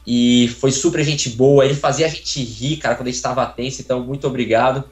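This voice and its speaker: A man's voice: mid-range voice, steady tone, fairly quick, reverberant. A young man from Brazil talking casually on a video call from a small room at home, grateful and rambling with many fillers and restarts. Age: young adult. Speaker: interviewee, voice acting contestant. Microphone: phone camera, video call.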